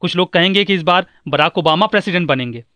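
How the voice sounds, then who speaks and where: A man's voice: sits high, fast, sharp tone, no room sound. A man coaching civil service exam aspirants in an earnest, instructive way, mixing in English terms. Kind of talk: scripted advice talk.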